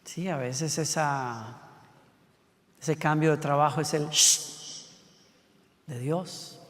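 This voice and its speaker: A man preaching a sermon, moving from quick rhetorical questions to soft, almost whispered passages. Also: fairly high pitch, fairly even intonation, long reverb tail. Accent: Latin American Spanish. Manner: shifts from brisk rhetorical questions to hushed near-whispers.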